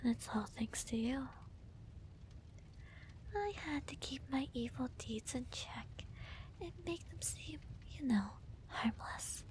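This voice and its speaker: A woman playing a smug, theatrical villainess who gloats to her hero in a soft, breathy, deliberate whisper, as an ASMR roleplay. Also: sits high, rough recording. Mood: smug, gloating. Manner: slow, deliberate, teasing, theatrical.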